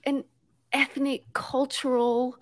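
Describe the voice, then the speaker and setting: A woman's voice: high voice, little pitch movement, slow. A middle-aged woman whose family is Puerto Rican but who grew up in the US, a guest telling stories expressively, acting out quotes and mixing in Spanish words. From Puerto Rico background, grew up in the US. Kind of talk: animated conversational storytelling.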